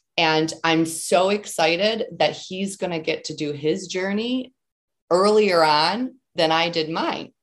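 A woman speaks very slowly in a Michigan accent. Her fairly low pitch shows ordinary variation. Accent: Michigan (Inland North) American. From Southeastern Michigan. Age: 40s. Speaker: real estate agent and business coach. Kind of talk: casual interview chat.

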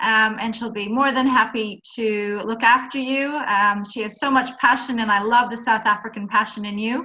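Over noticeable background noise, a woman talks at a moderate pace with hardly any pauses. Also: fairly high pitch for a woman, fairly even intonation. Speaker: podcast host. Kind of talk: interview.

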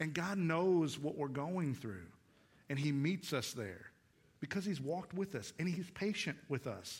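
His intonation is lively. The man keeps a fairly slow pace. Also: fairly high pitch for a man. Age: 40s. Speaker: pastor. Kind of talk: sermon. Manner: animated.

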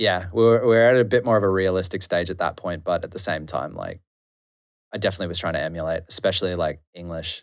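A man's fairly low voice at a very fast pace, with ordinary pitch variation, long, frequent pauses and a quiet background. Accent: Australian. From Australia, Queensland (Noosa). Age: 30s. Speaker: rapper. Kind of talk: casual interview chat.

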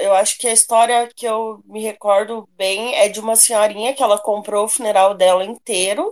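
A woman speaks with fairly high pitch and fairly even intonation. It is an unremarkable speaking voice. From Brazilian countryside town. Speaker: listener caller. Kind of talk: casual chat.

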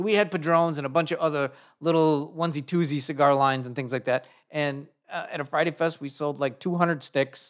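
An ordinary speaking voice runs at a fairly quick pace with ordinary pitch variation. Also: man. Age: 50s. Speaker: cigar shop owner. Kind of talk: casual chat.

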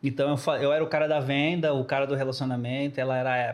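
His intonation stays monotone and flat. The man's voice is medium in pitch. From São Paulo, south zone (Capão Redondo). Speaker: entrepreneur, digital bank founder. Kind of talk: casual interview chat.

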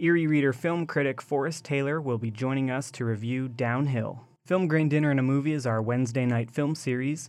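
Moderately paced, a man talks in an ordinary speaking voice. His intonation is fairly even. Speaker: podcast host and film office coordinator. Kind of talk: scripted intro and announcements.

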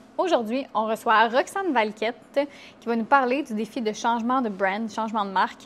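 A plain, everyday voice from a woman, pitched fairly high, with a moderate pace and ordinary pitch variation. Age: 20s. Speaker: podcast host and artisan entrepreneur. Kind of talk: casual interview chat; scripted intro and outro. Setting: her workshop.

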